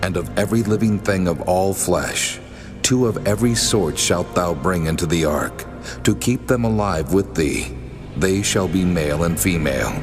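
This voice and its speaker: A man playing God as a mighty deity, speaking solemn, measured commands in a dramatized scripture reading. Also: deep voice, lightly acted. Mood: solemn, commanding. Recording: long hall reverb, music underneath. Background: music.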